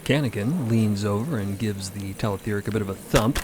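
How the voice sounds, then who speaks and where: A man's voice: fairly low pitch, fairly quick, very noisy. A man narrating a scripted audio drama in a dramatic storytelling style. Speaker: podcast narrator. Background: loud music.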